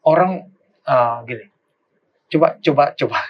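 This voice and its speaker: A man's voice: medium pitch, dull audio. A man, a pastor, giving an informal Bible lesson at an easy pace, often repeating and restarting his phrases. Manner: unhurried, repeats and restarts phrases, acts out quoted remarks.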